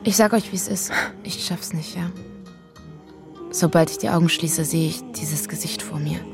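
A woman playing a pensive, uneasy babysitter who talks and narrates in a low-key, hesitant, natural way in a radio drama. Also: moderate pace, vocal fry. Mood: intimate, troubled. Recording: music under the voice. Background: music.

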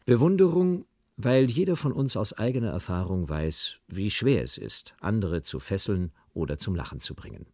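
A man's voice: lowish voice, lively intonation, normal speed, a little mellow, no room sound, clean studio sound. A man delivering a formal, didactic prepared speech in elaborate phrases.

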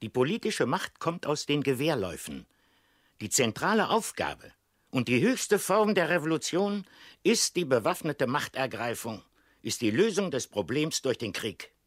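An actor voicing an insistent revolutionary leader, proclaiming doctrine emphatically as a quotation in a radio feature. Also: male voice, mid-range voice, big pitch swings, normal speed, no echo, clean studio sound. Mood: insistent, doctrinaire.

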